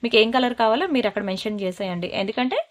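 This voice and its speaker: Fast-talking woman selling jewellery. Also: fairly high pitch. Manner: brisk, persuasive, scolding asides. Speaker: jewellery seller. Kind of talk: live sales pitch.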